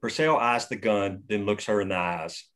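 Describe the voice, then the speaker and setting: Guy reading out the script's action lines, lowish voice, steady and matter-of-fact. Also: normal speed. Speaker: stage direction reader.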